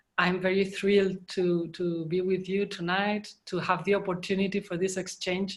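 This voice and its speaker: A woman speaks with a Spanish accent at a medium pitch. Her pace is moderate and her intonation monotone and flat. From Spain. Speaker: author. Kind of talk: panel discussion.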